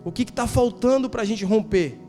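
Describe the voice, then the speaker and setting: Brazilian pastor in his forties, high tenor, chatty storyteller in the pulpit, faint music behind. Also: moderate pace, darkish tone. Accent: Brazilian Portuguese. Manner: conversational storytelling with rhetorical questions, slangy asides. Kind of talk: sermon. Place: church.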